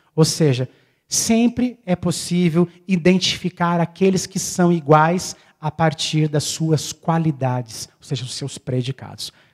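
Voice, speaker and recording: A man at a fairly slow pace, with ordinary pitch variation, over a quiet background. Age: 40s. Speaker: lecturer on literature. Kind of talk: lecture. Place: hall. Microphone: handheld.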